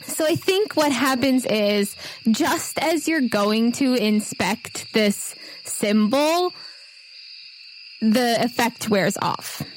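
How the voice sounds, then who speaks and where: A woman game master improvising narration for a tabletop role-playing game in a conversational, halting, descriptive way. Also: fairly high pitch, lively intonation, low-quality recording. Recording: faint noise with night insects and owls.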